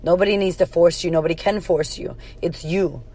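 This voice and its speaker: A woman with a husky, hoarse voice hosting a podcast, giving blunt, swear-laden motivational advice in a casual pep-talk. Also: lowish voice, brisk, dark tone. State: hoarse from karaoke. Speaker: podcast host, confidence coach.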